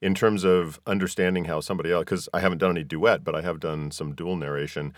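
A man's voice: low-pitched, fairly even intonation, fast talker, no room sound, studio quality. A man hosting an interview podcast, speaking conversationally about his own working experience. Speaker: podcast host, audiobook narrator.

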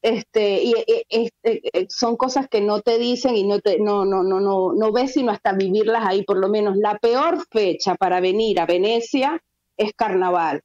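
A woman's voice: mid-range voice, normal speed, darkish tone, no echo, lo-fi sound. A Venezuelan woman, a guest in a casual radio interview, talking with many fillers and restarts.

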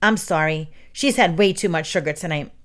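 A woman's voice: mid-range voice, animated, a little slow, lightly acted. Woman playing an earnest, nerdy, exasperated boy. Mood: apologetic. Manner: impatient, indignant.

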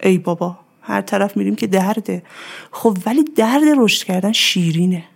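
Gravelly-voiced woman giving calm advice. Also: mid-range voice. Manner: calm, explanatory, uses everyday examples. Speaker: podcast guest. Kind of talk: reflective advice in conversation.

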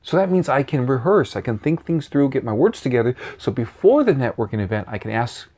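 A man speaking as a guest coach in an interview, animated and repeating key phrases for emphasis. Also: medium pitch, a little fast. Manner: animated, acts out voices and sounds. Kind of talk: interview answering questions.

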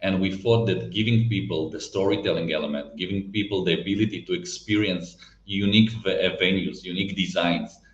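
A man's voice: low-pitched, brisk, hardly any pauses. A non-native English-speaking man with a foreign accent, explaining things conversationally and searching for words at times. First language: not English. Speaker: event technology company guest. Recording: roomy, slightly dull lo-fi sound.

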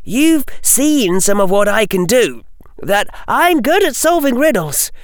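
An earnest, clever boy wizard pleads and reasons in a raised, urgent voice, as a man voices him. His pitch jumps around lively over an unhurried delivery, recorded close and dry. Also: no room sound, heavily acted. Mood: pleading.

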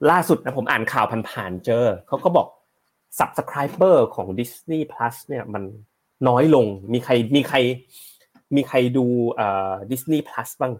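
A man hosting a casual live stream about stocks, chatting with viewers and explaining news headlines, slightly short of breath. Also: medium pitch. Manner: chatty, rambling, reads headlines aloud and explains them. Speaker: host of a stock market live show.

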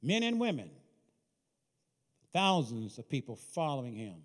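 Animated male preacher in a reverberant hall. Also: mid-range voice, measured pace. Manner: animated, emphatic, swings between soft and loud. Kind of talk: sermon with dramatic storytelling.

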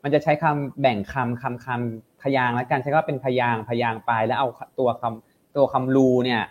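A man's voice: mid-range voice, steady tone, fairly quick, darkish tone, highs cut off. A man co-hosting a casual talk show, explaining in a chatty, informal way and thinking aloud. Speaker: co-host. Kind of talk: casual discussion podcast.

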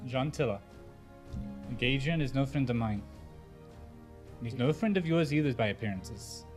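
A man's voice: medium pitch, lively intonation, measured pace, darkish tone. A man playing a tabletop role-playing game, talking casually and in character. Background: music.

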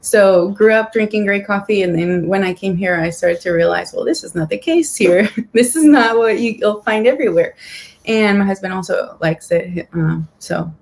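Relaxed woman from Guatemala. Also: medium pitch, moderate pace. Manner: relaxed, with fillers and light laughs. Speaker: business owner guest. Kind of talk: casual interview answers. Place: church building.

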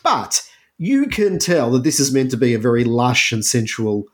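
A man's voice: mid-range voice, big pitch swings, normal speed. An Australian man co-hosting a book podcast, speaking with emphatic enthusiasm and frequent restarts. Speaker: podcast co-host, critic. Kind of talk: casual book discussion.

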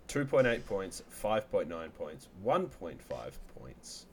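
Deep-voiced man co-hosting a podcast. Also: sing-song, slow pace, a little hiss or hum. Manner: upbeat, rattles off stats, apologizes for yawning. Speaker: podcast co-host. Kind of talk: casual fantasy football chat.

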